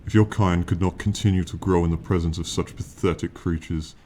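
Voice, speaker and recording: A man performs an ancient male dragon in a fantasy ASMR roleplay. The voice is very deep and dark, with little rise or fall. The phrasing is stately and archaic, proud and condescending, yet fond of the mortal companion. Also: steady tone, slight background noise, natural voice. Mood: proud, warning. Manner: slow, formal, lofty, archaic phrasing.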